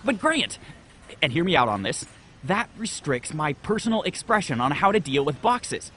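A man's voice: fairly high pitch, very animated, moderate pace, noisy background. A man playing a breezy, obliviously self-assured slacker stock boy in a comedy audio sketch. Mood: breezy, self-justifying.

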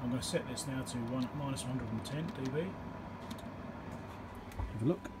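A man with a medium-pitched voice demonstrates a repair in a casual, hands-on way. He is matter-of-fact, explaining each step as he works at an indoor bench. The handheld camera's microphone picks up loud background noise along with him. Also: moderate pace. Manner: matter-of-fact, talking through each step while working. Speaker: electronics repairer and video host. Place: indoor electronics workbench. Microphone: handheld camera or phone microphone.

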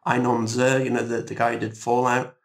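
A man speaking as an interviewed guest in a thoughtful discussion, halting and reflective, often repeating words. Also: medium pitch, little pitch movement.

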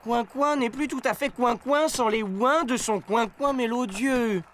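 A man voicing an excitable character who fusses over his childhood toy duck, talking theatrically in a scripted comic lesson. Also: measured pace, a little hiss or hum. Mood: playful. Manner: theatrical, with big swings of pitch between lines. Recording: music playing behind the voice.

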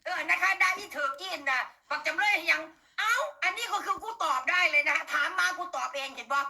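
A woman's voice: very high voice, a little fast, vocal fry, pushed and bright. An older woman with an Isan accent, hosting a talk show and ranting bluntly and crudely about politics to her viewers, swearing often.

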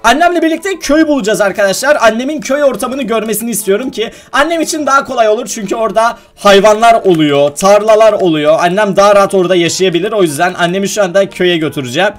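A young man coaching his mother through a video game, laughing often and talking excitedly to his viewers. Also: high-pitched, fast talker, hardly any pauses. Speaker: gaming YouTuber. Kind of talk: casual gaming vlog, teaching his mother.

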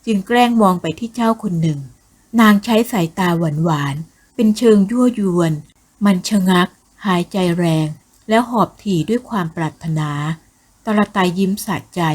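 A woman narrating a dramatic audiobook novel in a steady storytelling voice. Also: medium pitch.

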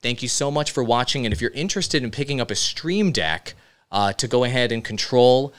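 A man's voice: medium pitch, animated, fairly quick. A man, giving casual, emphatic step-by-step instruction as a tutorial host, checking in with listeners. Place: indoor studio with computer.

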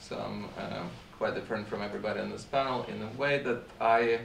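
A middle-aged man from Ukraine speaks English with a Russian accent, pausing often on fillers as he talks on a panel. His voice is very gravelly. He is picked up from across an echoey seminar room. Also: fairly low pitch, fairly even intonation, far from the mic, heavy background noise. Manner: halting, many fillers. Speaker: court interpreter and translator. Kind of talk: panel talk. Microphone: far camera.

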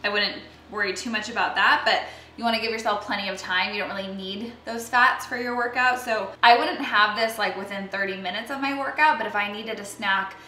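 An American woman in her thirties with a bright, forward voice talks casually, as a vlogger showing recipes does. Her delivery is informal and conversational. The sound is roomy, like an indoor kitchen, with faint noise behind her. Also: mid-range voice, fairly even intonation, brisk. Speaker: fitness vlogger and recipe host. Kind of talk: casual chatty cooking demonstration to camera.

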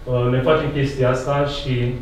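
A young man gives a presentation at a meetup, talking in a relaxed, halting way with many fillers. He is picked up by a camera far off, so the room rings with heavy echo and a faint hiss. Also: mid-range voice. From Romania. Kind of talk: conference talk. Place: meeting room.

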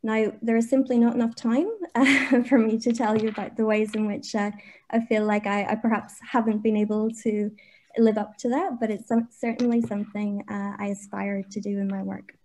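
A woman in her thirties from Ireland with an Irish accent, presenting her research on a video call in a measured way with frequent fillers. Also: mid-range voice, level tone, darkish tone. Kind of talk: webinar presentation. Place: home or office on a video call.

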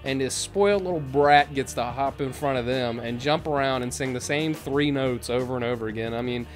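A YouTube commentator in his thirties gives casual, sarcastic reaction commentary, animated throughout, speaking into a desk microphone on a boom arm. He's indoors in a small home streaming room, with a mid-range voice, a fairly quick pace and soft background music.

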